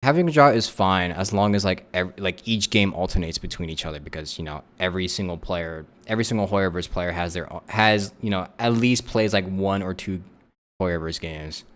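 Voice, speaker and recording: A male streamer chats casually while reacting live, in a fairly low voice. He rambles and restarts his sentences often, leaning on fillers as he thinks out loud. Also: brisk.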